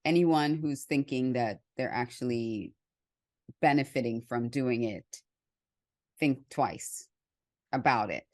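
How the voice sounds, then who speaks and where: A woman from Trinidad with a notably low voice hosts a podcast, talking candidly and pronouncing each word clearly. Her voice sounds dry and close. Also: slow, pauses often, darkish tone, no echo. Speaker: podcast host. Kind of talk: conversational podcast interview.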